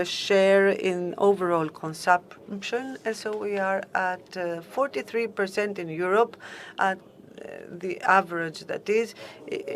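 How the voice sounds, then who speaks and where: A woman speaks on a conference panel at an unhurried, deliberate pace. Her delivery is halting and measured, with frequent pauses while she searches for the right word. Her pitch sits in a middle range for a woman. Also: a little hiss or hum. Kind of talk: formal conference remarks.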